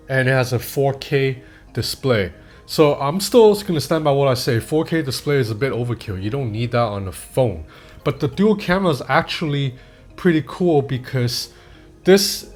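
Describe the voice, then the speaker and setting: A man in his thirties reviews a phone in a loose, candid vlog style and swears casually. His voice sits at a middling pitch for a man. He talks like he is chatting with a friend. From Hong Kong. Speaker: tech reviewer.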